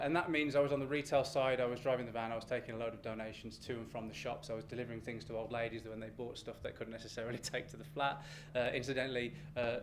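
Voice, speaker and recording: A British man performs an animated storytime rant in an exasperated, self-mocking way, with swearing thrown in. His voice sits at an ordinary male pitch, in a live recording with clear background noise. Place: live storytelling event with room ambience. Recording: noisy live venue recording.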